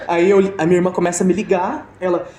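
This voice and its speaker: A man's voice: high voice, level tone, fast, mellow, roomy sound. A young Brazilian man telling a story in a casual interview, hesitant, with many restarts and fillers, over a video call. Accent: Brazilian Portuguese. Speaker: interview guest.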